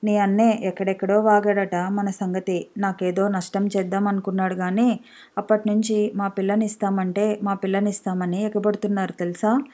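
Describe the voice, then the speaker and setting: A woman's voice: mid-range voice, flat delivery, moderate pace, warm tone, lightly acted. Woman doing a coaxing estranged husband. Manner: persuasive, coaxing. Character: smooth-talking estranged husband, young man, coaxing.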